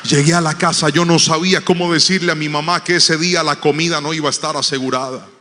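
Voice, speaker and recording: A man preaching a sermon. He tells a story, dropping to a hush and then rising to loud, emphatic declarations. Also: a little high, steady tone, fast talker, big-room sound. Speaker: pastor.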